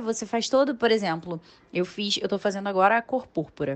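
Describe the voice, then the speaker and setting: In a plain, everyday voice, a woman speaks at a moderate pace with a medium pitch and ordinary pitch variation. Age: 30s. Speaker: actress, singer, voice actor and speech therapist. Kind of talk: interview.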